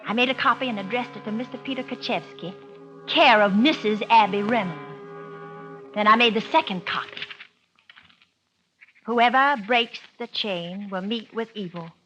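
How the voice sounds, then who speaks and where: An actress playing a bitter, suspicious small-town wife in 1940s radio acting, sarcastic and resentful. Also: female voice, on the high side, a little fast, bright, forceful tone, faint music behind, rough recording. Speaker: narrator and lead character.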